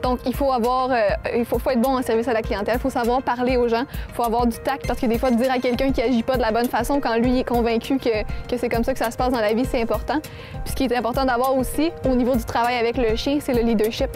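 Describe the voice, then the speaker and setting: A woman's voice: fairly high pitch, level tone, quick pace, a little mellow, echoey room, big-room sound, faint music behind. A woman dog trainer with a Québécois French accent, patiently explaining training methods with everyday examples in an interview.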